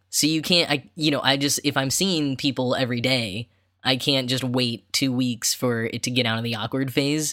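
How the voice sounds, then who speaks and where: The speaker has a slight Midwestern accent. The pace is moderate. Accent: slight Midwestern American. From US Midwest. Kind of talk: casual chat. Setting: remote recording over call.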